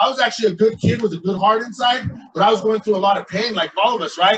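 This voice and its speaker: A man talks very fast in a high pitch. His tone is animated. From New Mexico, Albuquerque. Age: 40s. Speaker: lawyer and motivational speaker. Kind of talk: motivational talk. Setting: live event with audience.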